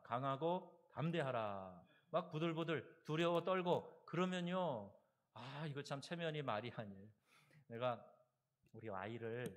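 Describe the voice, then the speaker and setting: A man in his thirties preaching a sermon as pastor, swinging between loud exhortation and quiet asides. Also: mid-range voice. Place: church sanctuary.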